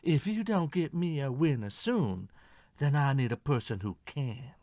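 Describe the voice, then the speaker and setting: Man acting out a pushy, greedy boss, animated. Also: mid-range voice, unhurried, no room sound. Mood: threatening, pushy. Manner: demanding, threatening. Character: greedy, bullying male horse owner and boss. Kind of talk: audio theatre murder mystery acting.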